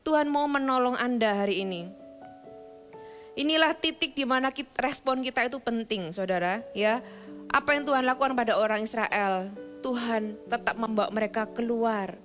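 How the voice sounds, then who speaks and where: A woman pastor delivers a sermon in a high, clear register, earnest and conversational as she turns again and again to address her listeners directly. Faint music sits quietly underneath her voice. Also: normal speed.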